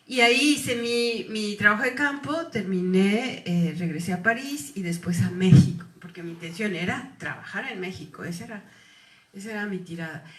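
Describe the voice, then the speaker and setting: A woman of medium pitch speaks at a moderate pace with lively intonation and big swings in loudness, with noticeable background noise behind her. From Mexico. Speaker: professor. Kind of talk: lecture.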